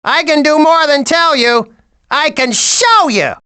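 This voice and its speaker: A woman's voice: sits high, a little slow, bright, forceful tone. A woman voicing a brash, sarcastic, bossy blue jay in a video game. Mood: sassy. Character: brash, wisecracking, sardonic blue jay bird, bossy hustler. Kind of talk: video game character voice acting.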